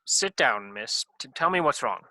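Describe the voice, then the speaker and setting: A man's voice: medium pitch, big pitch swings, normal speed, bright, forceful tone, dry recording. A man playing a flustered, self-important doctor in a comedy sketch reading, grave and melodramatic. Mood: grave concern. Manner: hesitant stammer turning to bossy, melodramatic gravity. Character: flustered, self-important male doctor who operates on scripts.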